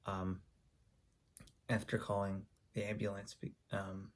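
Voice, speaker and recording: A man telling a personal story for his video channel, speaking haltingly with frequent ums and restarts. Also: on the low side, monotone. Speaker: YouTuber.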